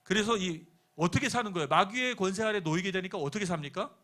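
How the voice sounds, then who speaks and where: Korean pastor with a higher voice, preaching. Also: male voice, fast talker, fairly bright tone. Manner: asks the congregation questions and answers them himself; tells a personal story with quoted lines of dialogue. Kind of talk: sermon. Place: church sanctuary.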